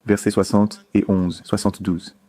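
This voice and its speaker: Low mellow-voiced man, polite but persistent. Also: level tone, normal speed. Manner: persistent, polite, reads references aloud. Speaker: audience questioner. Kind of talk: public question-and-answer debate.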